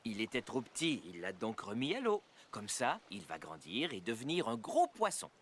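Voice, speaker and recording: An actor playing a patient, kindly father in a children's cartoon, with a gentle, explanatory way of talking. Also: medium pitch, wildly swooping pitch, moderate pace, music in the background. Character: patient, kindly young father of a small boy.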